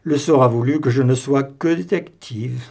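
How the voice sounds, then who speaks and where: A man's voice: mid-range voice, moderate pace, creaky, a little mellow, husky. A man voicing a fussy, precise Belgian detective in an audiobook, with a prim, finicky manner. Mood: rueful.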